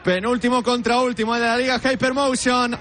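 A man's voice: very high-pitched, fairly even intonation, fairly quick, fairly bright tone, faint music behind. A man giving live radio football commentary on penalty kicks, emphatic and fond of repeating phrases.

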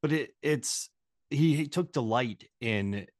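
A man co-hosting a podcast, talking about films in a relaxed conversational way and reading quotes aloud. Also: mid-range voice, slow pace, no room sound, clean studio sound. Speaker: podcast co-host. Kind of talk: casual film discussion.

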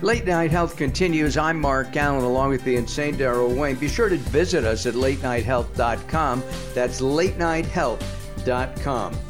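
A man hosting a radio health talk show, interviewing a guest with many fillers and pauses. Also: mid-range voice, music in the background.

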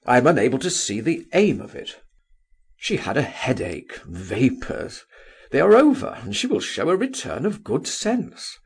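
A man's voice: mid-range voice, wildly swooping pitch, measured pace, creaky, husky, full character voice. A man voicing a pompous, orotund older clergyman in an audiobook novel.

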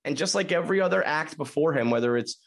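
A young man hosting a podcast, delivering a casual, profane, heated rant with animated swings in emphasis. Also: a little high, fast. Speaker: podcast host. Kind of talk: casual ranting monologue.

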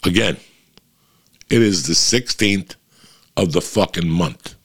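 Gravelly, foul-mouthed comic. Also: male voice, sits low, slow. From New Jersey. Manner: profane, blunt storytelling. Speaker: comedian. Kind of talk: casual rambling monologue.

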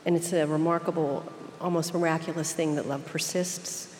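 A woman from Oklahoma with an Okie accent, speaking earnestly and deliberately as a guest in a reflective interview. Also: low voice, fairly even intonation, darkish tone. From Oklahoma, United States. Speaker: interview guest, seminary leader. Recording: echoey hall, clear background noise.

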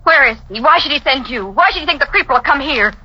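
A jumpy, sharp-tongued young wife speaks high and bright with a breathy edge. The sound is the dull, lo-fi tone of a 1940s radio play. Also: female voice, animated, fast, exaggerated voice. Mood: indignant. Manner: shrill and scolding, then panicky. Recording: dull old radio broadcast recording.

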